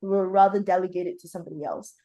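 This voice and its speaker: A woman's voice: fairly low pitch, steady tone, quick pace, warm tone. A woman co-hosting a casual spiritual podcast, talking animatedly and laughing often. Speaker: podcast co-host, healer. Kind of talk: casual conversation.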